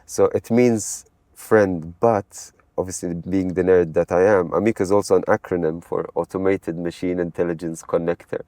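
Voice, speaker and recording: A middle-aged man from Malta talks as a podcast guest in a low, warm voice. He tells his stories in a rambling, animated way, in relaxed interview chat. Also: normal speed, no room sound. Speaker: guest, AI expert.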